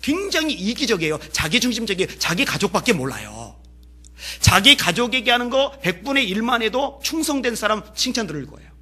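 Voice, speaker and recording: Bright, husky-voiced male pastor preaching. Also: high-pitched, a little fast. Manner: lively storytelling, acting out characters' lines. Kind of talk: sermon.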